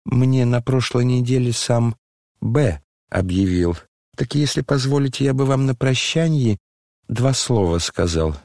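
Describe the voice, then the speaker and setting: A man plays a dying young man speaking low, hushed and hoarse, with a tired, ironic calm. The voice sits lower and softer than the reader's own, captured dry and close. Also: measured pace, no echo. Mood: weary ironic. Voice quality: hoarse, near whisper. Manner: quiet, weary, ironic. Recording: dry close studio sound.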